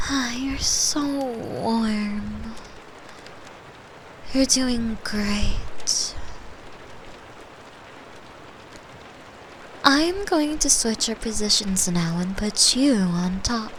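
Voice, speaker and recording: In a comforting ASMR roleplay, a woman voices a gentle, lonely, tender being from another dimension, affectionate and soothing in mood. She speaks extremely slowly in a fairly high, breathy, soft voice that often drops to whispers. Faint rain-like ambience and a little hiss or hum sit behind her.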